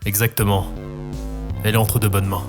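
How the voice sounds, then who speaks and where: An actor playing a cold, dismissive armed male officer in an audio drama, speaking calmly and curtly. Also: fairly low pitch, moderate pace, music in the background, close to an everyday voice. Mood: calm, firm. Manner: calm, curt, contemptuous. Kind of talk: dramatised audio narrative, character acting.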